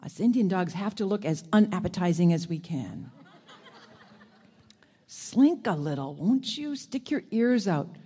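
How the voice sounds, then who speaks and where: A woman's voice: fairly low pitch, animated, a little slow, dark tone, slightly rough. A woman reading aloud as an earnest, protective mother dog, speaking in an urging way. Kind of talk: reading quoted speech in a story.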